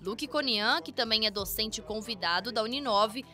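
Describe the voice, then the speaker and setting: A Brazilian woman voices a news report in polished, even narration. Her tone is bright and forward, pitched a touch high. Soft music runs quietly behind her. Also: moderate pace. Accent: Brazilian Portuguese.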